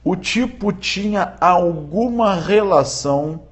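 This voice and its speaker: A man giving a live-streamed law lecture, often checking in with viewers and repeating key points slowly for emphasis. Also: high voice, lively intonation. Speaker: law teacher.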